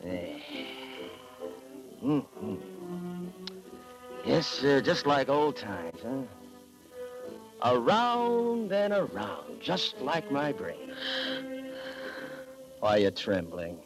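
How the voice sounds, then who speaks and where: An actor playing a drunken, menacing private detective in a 1940s radio drama, slurring and swinging between tenderness and threats. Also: male voice, mid-range voice, huge pitch swings, extremely slow, long pauses, music in the background, full character voice, rough recording. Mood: brooding. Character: drunken hard-boiled male private eye, menacing.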